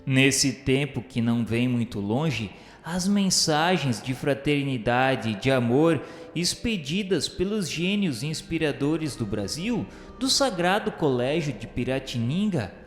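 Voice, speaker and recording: Narrating a scripted radio drama, a Brazilian-accented man speaks solemnly and formally in a literary manner. His medium-pitched voice is lively in intonation, measured in pace, and hardly pauses. Music plays underneath, and the sound carries a long, echoing reverb.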